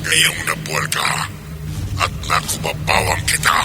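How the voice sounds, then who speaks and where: An actor playing a menacing shapeshifting monster in the form of a giant black dog, declaiming in a horror radio drama. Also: male voice, low-pitched, flat delivery, measured pace. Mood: gloating, savage. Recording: loud dramatic music under the voice.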